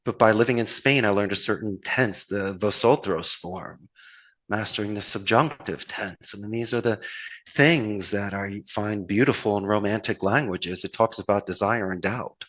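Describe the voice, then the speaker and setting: A Philadelphia call center owner, appearing as a podcast guest, speaks in a lowish, slightly bright voice at normal speed over a rough recording. His local accent carries earnest, flowery motivational anecdotes full of rhetorical questions in a conversational interview.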